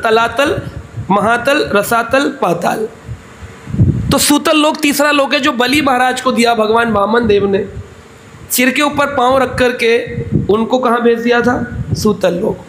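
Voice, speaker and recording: A man's voice: very high-pitched, a bit bright, a little hiss or hum. A man preaching a scripture discourse in a temple, telling the story and acting out its dialogue, and posing questions he answers himself. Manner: asks the audience questions and answers them. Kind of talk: Bhagavatam discourse sermon. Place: temple hall.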